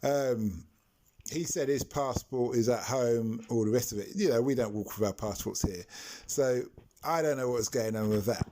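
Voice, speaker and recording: A man's voice: mid-range voice, normal speed, dark tone. A man, a taxi driver and podcast host, telling a story in a chatty way and laughing as he goes. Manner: chatty, laughs through his stories. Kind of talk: anecdotal storytelling.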